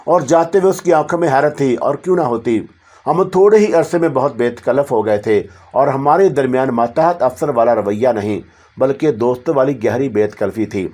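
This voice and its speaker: A man's voice: mid-range voice, dark tone. Man narrating a horror story.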